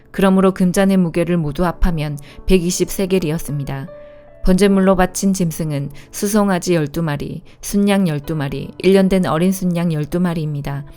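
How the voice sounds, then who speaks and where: A woman reads scripture aloud in a calm, measured way. Her voice sits fairly low and sounds warm and mellow. Soft instrumental music plays faintly behind her. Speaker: Bible reader.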